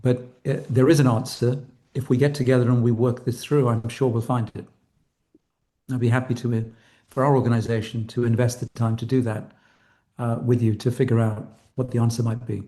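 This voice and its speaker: A man speaking as a panelist at a conference, talking rapidly with fillers. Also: medium pitch, level tone, dark tone. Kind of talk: panel discussion remarks.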